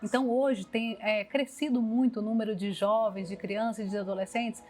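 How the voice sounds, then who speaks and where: A woman's voice: fairly high pitch, fairly even intonation, normal speed, darkish tone. A woman with a Brazilian accent answering in an interview, explaining as she goes and often rephrasing. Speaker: theatre company producer. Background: music.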